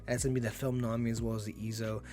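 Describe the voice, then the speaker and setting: A man getting over being sick, with a slightly hoarse voice, giving upbeat, laid-back play-by-play commentary on a card game and laughing often. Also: medium pitch, flat delivery, very fast, dark tone.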